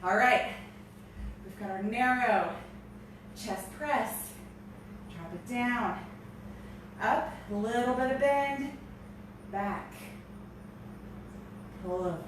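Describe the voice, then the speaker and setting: A high-voiced woman leads exercise like an aerobics instructor, cueing form in an encouraging, peppy way at an unhurried pace. She breathes with effort as she coaches. The sound is very echoey, as in a bare room. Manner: encouraging, exclaiming, peppy workout cheerleading. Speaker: aerobics and strength instructor leading a home workout. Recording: echoey room, distant mic, noisy.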